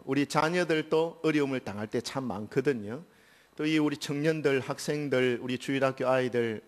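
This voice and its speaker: A middle-aged man, preaching a sermon as pastor in a church and building to loud, high emphasis. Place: church sanctuary.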